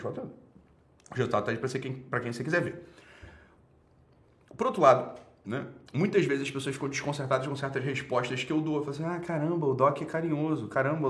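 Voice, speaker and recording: A man with a Brazilian accent on a live stream who swears constantly, laughs loudly and mocks his viewers. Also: mid-range voice, echoey room. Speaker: livestreamer. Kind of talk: profane rant and lecture on a live stream.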